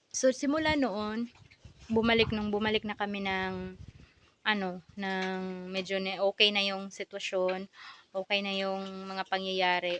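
At a fairly slow pace, a woman speaks at medium pitch with fairly even intonation, in a dry, close sound with no echo. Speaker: vlogger and backyard pig raiser. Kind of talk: casual vlog talk. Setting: outdoors beside pig pen.

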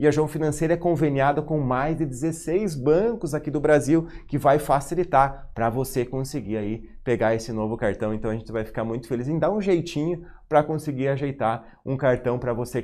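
Speaking with a southern Brazilian accent, a man has a dark, mellow tone and ordinary pitch variation. His pace is fairly quick, and the background is quiet. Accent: gaúcho Brazilian Portuguese. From Rio Grande do Sul, Brazil. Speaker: finance YouTuber. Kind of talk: live stream explainer. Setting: studio. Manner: animated. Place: studio.

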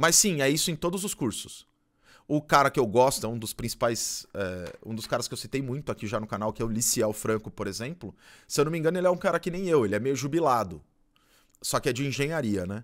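Quick-ish and lively, a man talks in an ordinary speaking voice at a fairly quick pace. The background stays quiet. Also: medium pitch for a man. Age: 30s. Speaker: music streamer. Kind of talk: casual live-stream chat. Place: home room. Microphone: studio mic.

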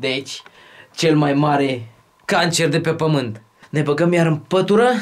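Over light background noise, a man speaks at a very slow pace. His pitch varies in an ordinary way. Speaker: vlogger. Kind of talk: comedy parody vlog, mock-rustic skit. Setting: bedroom at night by lamp light. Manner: boastful, playfully threatening, comic. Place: home room. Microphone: phone near.

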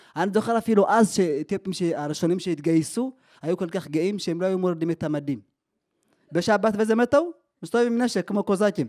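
A man with a high voice talks at a moderate pace, his pitch rising and falling in an ordinary way over a quiet background. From Ethiopia, raised in Safed, Israel; Ethiopia. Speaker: stand-up comedian. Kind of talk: stand-up. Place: stage. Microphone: handheld.

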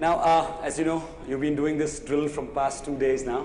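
A man's flat, monotone voice with audible room echo and light background noise. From India. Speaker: event emcee; event host. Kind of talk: announcements. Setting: stage with audience. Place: hall. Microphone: podium.

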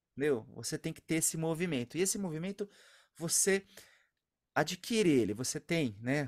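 A man at a moderate pace with lively intonation, over a quiet background. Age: 50s. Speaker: singing and voice workshop instructor; voice workshop instructor. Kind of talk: online workshop instruction. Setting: video call. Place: home room. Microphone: studio mic.

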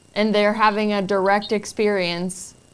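Here a woman talks at a moderate pace. She has a plain, everyday voice, medium in pitch. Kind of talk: podcast host interview questions.

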